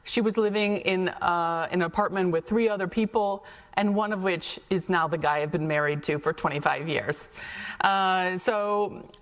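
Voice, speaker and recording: A woman's voice: lowish voice, normal speed. A middle-aged woman with an American accent gives a chatty, informal talk about her own life to an audience. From Ohio, United States. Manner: chatty, conversational. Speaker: guest speaker, chef and cafe founder. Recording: echoey hall, long reverb.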